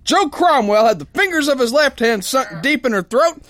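An actor playing a rough, big-hearted sailor boxer, telling his tale in folksy, ungrammatical slang as theatrical radio-play narration. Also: extremely high pitch, sing-song, moderate pace, a bit bright, no echo, heavily acted. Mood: outraged. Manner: folksy, ungrammatical yarn-spinning. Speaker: first-person narrator.

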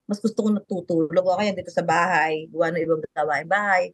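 A woman's voice: fairly low pitch, steady tone, fairly quick, dry recording. Middle-aged woman guest, talkative and laughing, dry close mic. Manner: chatty, laughs often, restarts sentences. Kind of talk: casual interview chat.

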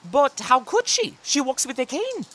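A woman's voice: high voice, very animated, normal speed. A woman playing a blunt, impatient female sidekick in a comedy noir radio play, exasperated and dramatic. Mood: urgent.

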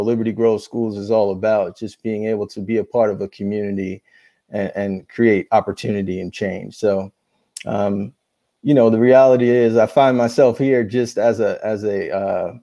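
A man speaking as a guest school leader on a video call, earnest and halting, with many pauses and fillers. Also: fairly low pitch, vocal fry, mellow, dry recording. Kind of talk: casual conversational interview.

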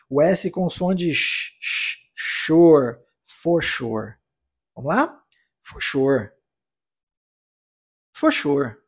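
A man teaching English pronunciation in a podcast lesson, drilling phrases slowly for the listener to repeat. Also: high-pitched, darkish tone. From United States.

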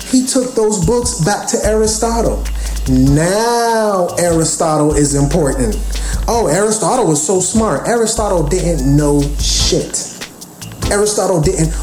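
A man's voice: on the high side, darkish tone, roomy sound. A man in his late thirties hosting a podcast, lecturing in a repetitive, preachy way full of rhetorical questions. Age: 30s. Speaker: podcast host. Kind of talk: casual monologue.

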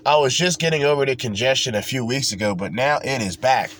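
A man's voice: mid-range voice, fairly quick, fairly bright tone. A man with a congested, stuffy voice, chatting alone into his home microphone as host of his podcast. His speech is loose and rambling, tossing in casual swearing, with a faint hiss of noise underneath. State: congested from a cold. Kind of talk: casual solo podcast talk.

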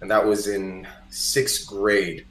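A man from Costa Rica, a native Spanish speaker and singer-songwriter, delivers casual personal anecdotes on a podcast in a slow, flat, lowish voice with a fairly bright tone. "Like" and "you know" crop up constantly, and the recording has a roomy echo.

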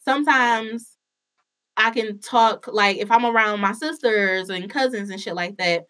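A woman's voice: medium pitch, measured pace, sharp tone. A woman with an African American accent in a casual, candid chat, speaking informally and swearing freely.

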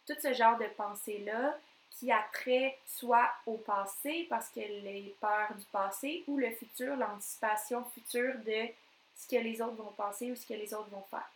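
A woman with a Québécois accent, a coach talking on her own podcast in an energetic, emphatic way that repeats phrases for effect. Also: on the high side, measured pace, reverberant, slight background noise, low-quality recording. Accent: Québécois French. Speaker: NLP coach. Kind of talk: solo podcast talk.

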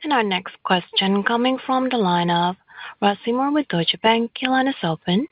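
A woman with a somewhat high voice makes scripted announcements as a conference call operator. The call audio is slightly dull, with faint noise. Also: moderate pace. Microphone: conference call line.

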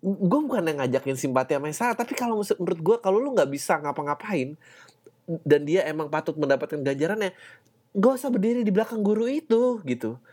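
A man's voice: sits high, lively intonation, fast talker, darkish tone, slightly rough. Rambling slangy man. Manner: rambling, slangy and profane, with frequent laughs and fillers. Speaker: podcast host. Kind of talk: casual solo podcast monologue.

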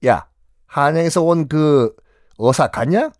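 A man voicing a vengeful, bossy Joseon-era county magistrate who gives gruff orders to an underling. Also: a little high, expressive, slow pace, no echo, clean studio sound. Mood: scheming, threatening.

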